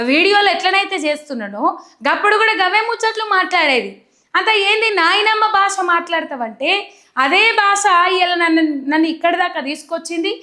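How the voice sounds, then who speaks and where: With a very high, sharp-toned voice, a young woman from Telangana, India, delivers emphatic, earnest political commentary directly to the camera. She has a Telangana Telugu accent.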